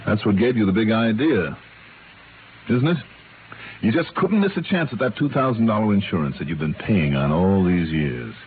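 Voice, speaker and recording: A man acting as a hard-nosed American investigator from an old radio drama, sardonic and sure of himself. His fairly low voice moves with lively inflection on a thin, narrow vintage recording. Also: moderate pace, natural voice. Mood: accusing, confident. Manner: confident, pressing, sardonic. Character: shrewd, hard-nosed male insurance investigator. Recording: vintage radio, narrow band, faint hiss.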